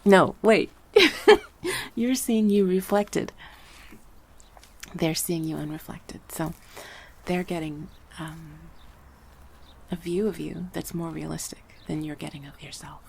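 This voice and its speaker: A woman performing an intimate audio roleplay, talking softly and often whispering as if out on a walk with the listener, giggling now and then, her throat slightly scratchy and congested. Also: on the low side, slow, vocal fry, pauses often. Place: outdoors on a walk.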